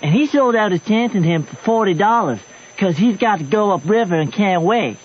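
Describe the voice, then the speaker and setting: A muffled old radio drama with faint noise. a talkative Southern country boy with a very high voice, eager to gossip in folksy backwoods dialect. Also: animated, normal speed. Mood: eager, gossipy. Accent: American Southern.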